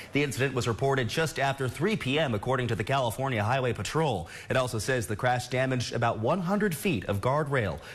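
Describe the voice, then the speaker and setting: A man talks very fast with hardly any pauses, at medium pitch with lively intonation. His voice is somewhat breathy and his loudness stays very even. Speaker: local TV news anchor. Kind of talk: TV news anchor delivery.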